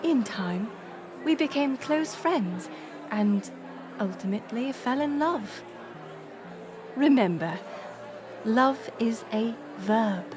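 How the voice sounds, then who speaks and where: A woman playing a gracious, resolute middle-aged queen in an audio roleplay, speaking in formal, stately, measured phrases. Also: a little high, expressive, over music, crowd noise. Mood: earnest reassurance. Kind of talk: scripted audio roleplay acting.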